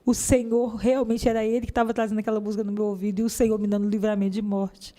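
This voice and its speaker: A woman's voice: mid-range voice, little pitch movement, quick pace, mellow. A woman giving a fervent religious testimony in an interview, sometimes acting out the voices of people in her story.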